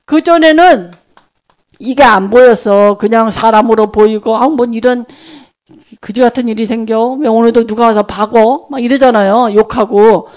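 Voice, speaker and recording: A woman's voice: on the high side, a little mellow. A woman giving an informal sermon on evangelism, speaking conversationally and often checking that listeners agree.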